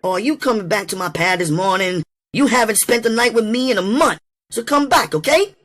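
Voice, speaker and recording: A woman's voice: mid-range voice, expressive, a little fast, close to an everyday voice. A woman playing a brash young street prostitute in a dramatized audiobook, speaking in an emphatic, emotional, streetwise way. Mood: coaxing. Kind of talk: dramatized audiobook character acting.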